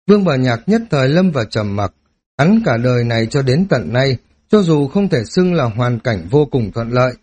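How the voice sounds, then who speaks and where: A man narrating a fantasy novel as an audiobook, with steady storytelling and dramatic emphasis. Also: mid-range voice, slightly rough.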